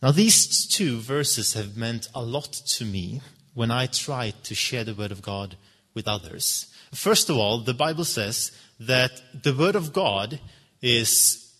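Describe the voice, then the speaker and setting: A man whose first language is Swedish preaches a sermon in English, earnest and halting, with fillers and restarts. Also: mid-range voice, lively intonation, fairly bright tone. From Sweden. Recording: long reverb of a hall.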